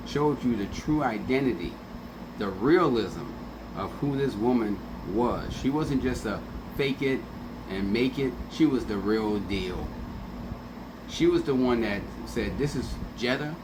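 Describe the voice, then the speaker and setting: A man's voice: mid-range voice, lively intonation, measured pace, noisy background. A man speaking as a radio host in a casual, affectionate, conversational way, as in a heartfelt tribute. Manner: conversational, affectionate, often acting out remembered quotes. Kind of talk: heartfelt spoken tribute to a late friend, casual radio talk.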